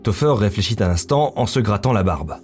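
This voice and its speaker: A man's voice: fairly low pitch, animated, fairly quick, a little mellow. A man narrating a scripted story in literary prose as the narrator of a visual novel. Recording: music bed under the voice.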